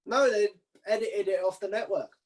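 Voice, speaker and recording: A man's voice: high voice, moderate pace. Chatty man hosting an interview. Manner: informal, chatty. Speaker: podcast interviewer and host. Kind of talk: casual interview chat.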